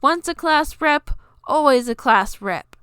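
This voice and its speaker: An excitable, loud teenager from an audio story, acted by a woman reader. The voice jumps up high and exclaims with energy, in a very dry recording. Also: measured pace, no room sound. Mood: excited.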